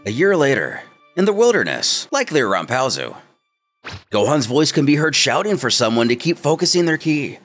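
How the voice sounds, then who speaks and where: A man's voice: medium pitch, big pitch swings, fairly quick, fairly bright tone. A man narrating a story retelling in a playful way with wry asides. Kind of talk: comic story recap narration. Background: faint background music.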